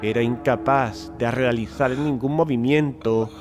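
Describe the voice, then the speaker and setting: A man's voice: medium pitch, fairly even intonation, measured pace. A man reading scripted, dramatic horror narration as the narrator of an audio drama. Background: loud music.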